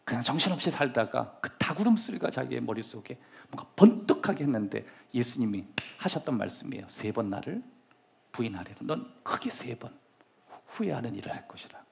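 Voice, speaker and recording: Middle-aged male pastor, church sermon, animated delivery with sudden whispers, mid-range voice. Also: mid-range voice, quick pace, vocal fry. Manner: animated preaching, acts out scenes, shifts to soft whispers. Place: church sanctuary.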